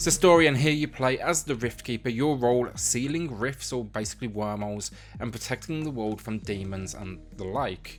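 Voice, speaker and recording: A man's lively intonation carries over music playing in the background. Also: medium pitch for a man. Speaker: game reviewer. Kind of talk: video game review narration. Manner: fast.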